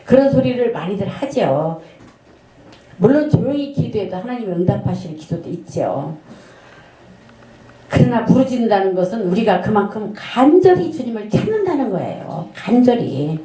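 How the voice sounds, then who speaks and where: A woman's voice: medium pitch, very animated, moderate pace, dark tone. A middle-aged woman pastor delivering an earnest sermon, telling a story and asking rhetorical questions. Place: church sanctuary. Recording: echoey church room.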